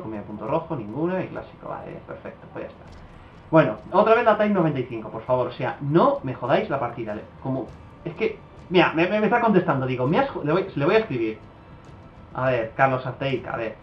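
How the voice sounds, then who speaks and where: Excitable swearing gamer man. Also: mid-range voice, echoey room, highs cut off, slight background noise. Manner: swears often, bursts into excited outbursts. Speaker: gameplay commentator. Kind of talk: casual gameplay commentary.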